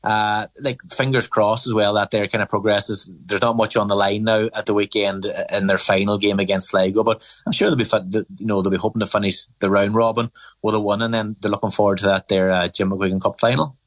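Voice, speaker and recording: A man's voice: fairly low pitch, flat delivery, brisk, fairly bright tone, no room sound. A man with a Donegal Irish accent giving conversational sports analysis as a pundit, in long, colloquial, meandering sentences.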